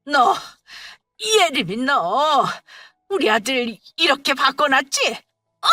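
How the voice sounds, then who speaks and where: A woman's voice: a little high, pushed and bright, no room sound. A woman voicing a pushy older mother-in-law who dotes on her eldest son, scolding and guilt-tripping in a dramatized story reading.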